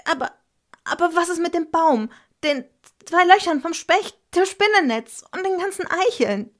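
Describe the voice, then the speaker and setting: A woman voicing an impatient, excited young girl in a storybook reading, pleading in high outbursts. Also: normal speed.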